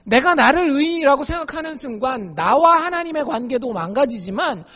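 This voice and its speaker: A woman's voice: sits high, fairly quick. A woman pastor giving a sermon, speaking straight to her congregation and acting out the quoted lines with strong feeling. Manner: expressive preaching, addresses congregation directly, acts out quoted lines. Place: church sanctuary. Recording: long echo of a church hall.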